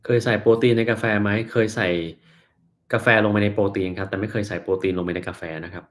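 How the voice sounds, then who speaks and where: A man with a fairly low voice hosts a casual livestream, answering viewers' questions one after another. He talks in an unhurried, easygoing way, softening his answers with polite little particles. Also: steady tone. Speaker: doctor hosting a livestream Q&A.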